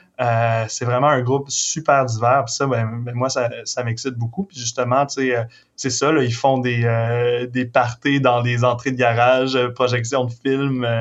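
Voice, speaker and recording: Speaking fairly slowly, a man uses a monotone, flat intonation. He has a Quebec accent. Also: medium pitch for a man. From Quebec, Victoriaville. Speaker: artist and researcher. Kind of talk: interview. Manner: halting, many fillers.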